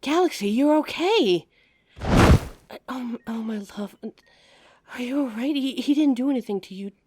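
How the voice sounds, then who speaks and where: A woman playing a devoted, protective werewolf lover in an audio drama, anxious, tender and halting. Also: high voice, lively intonation, darkish tone. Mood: worried, tender.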